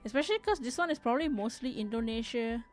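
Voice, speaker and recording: A woman's voice: on the high side, expressive, quick pace, faint music behind. A woman from Singapore hosting a live drawing stream, chatting casually, reading chat aloud and rambling with frequent restarts. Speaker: livestream artist host.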